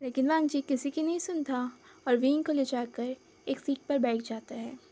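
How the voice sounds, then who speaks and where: A woman's voice: high voice, steady tone, moderate pace, dark tone. A woman hosting her channel, reading her own fan story aloud in a conversational storytelling way. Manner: conversational storytelling with speech tags.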